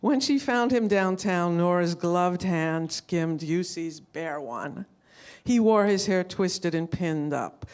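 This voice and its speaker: A woman's voice: on the low side, animated, slow pace, darkish tone, clear, resonant tone. A woman reading literary prose aloud at a live event, as an author who adds informal asides. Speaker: author reading from own novel.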